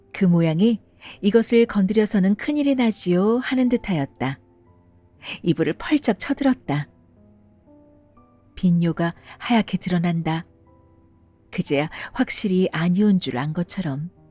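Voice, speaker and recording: The voice moves at a fairly slow pace with long, frequent pauses and very wide pitch swings. Music plays in the background, and the sound is dry and close with no echo. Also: woman, medium pitch for a woman. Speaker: audiobook reader. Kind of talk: audiobook narration of a short story, read aloud for sleep listening.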